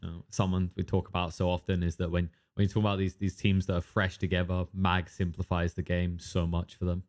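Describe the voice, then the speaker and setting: Low, monotone and darkish, a male caster commentates a live esports game. His loose chat with his co-caster is packed with filler and drifts into quick asides.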